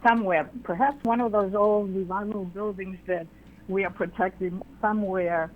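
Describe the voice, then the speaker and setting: A woman calling in to a radio show, giving halting praise to the host and guest. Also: mid-range voice, steady tone, slight background noise. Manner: warm praise, hesitant. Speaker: caller. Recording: tinny phone line.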